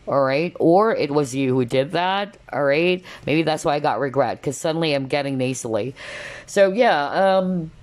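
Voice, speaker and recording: A woman reading tarot cards in a casual, spiritual style, often checking in with little tags like okay and all right. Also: a bass voice. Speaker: tarot card reader, host.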